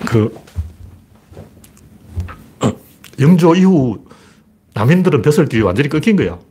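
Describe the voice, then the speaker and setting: A man talking through politics and history in a casual, blunt, emphatic monologue with a husky voice. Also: on the high side, a little slow. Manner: animated, blunt and emphatic, with frequent laughs and repeated phrases. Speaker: political commentator.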